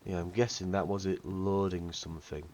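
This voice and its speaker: A man's voice: low-pitched, steady tone, normal speed, a little mellow, lo-fi sound, slight background noise. A man with a slightly nasal voice from a cold, giving casual, rambling commentary while playing a video game. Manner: chatty, rambling, with fillers. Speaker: let's play host.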